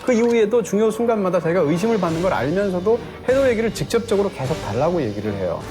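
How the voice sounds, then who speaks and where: Fast, lively-voiced man critiquing a film. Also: high voice, music in the background. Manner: fluent, lecturing, builds long explanatory arguments. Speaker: film critic co-hosting a movie review show. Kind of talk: analytical film review discussion.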